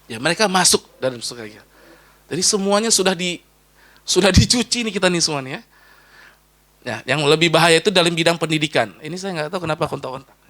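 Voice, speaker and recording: A man giving a lively, joking sermon-lecture to a live audience as an Islamic preacher, his voice leaping up and falling low. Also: fast. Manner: animated, joking with the audience, rising and dropping sharply.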